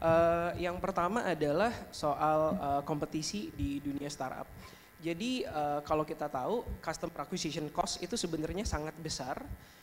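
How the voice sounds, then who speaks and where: A man with an unremarkable speaking voice talks at a fairly high pitch and moderate pace. His pitch varies in an ordinary way, with light background noise. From Bali. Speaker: audience member asking question; audience member. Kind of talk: audience question. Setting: stage with audience. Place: hall. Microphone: handheld.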